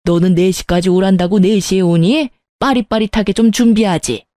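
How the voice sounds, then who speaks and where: Storybook mother-in-law, bossy and scolding, put on by a woman; low mellow tone, dry. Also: no room sound, natural voice. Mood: dismissive. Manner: curt, scolding, drawn-out commands.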